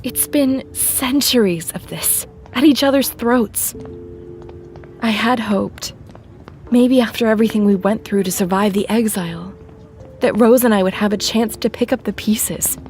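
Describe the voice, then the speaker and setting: An actress playing Snow White, a weary, guarded and sardonic deputy mayor with a dry, wry manner, in an audio drama. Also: female voice, a little high, measured pace, darkish tone, natural voice. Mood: weary, bitter.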